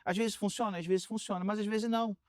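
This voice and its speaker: A pastor in his forties with a Carioca accent tells his story in a relaxed, rambling way, often circling back over his words. His voice sits a touch high for a man. The sound is close and dry. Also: fast, no room sound. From Rio de Janeiro, Brazil. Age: 40s. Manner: rambling, repeats words while gathering thoughts. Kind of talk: casual interview storytelling.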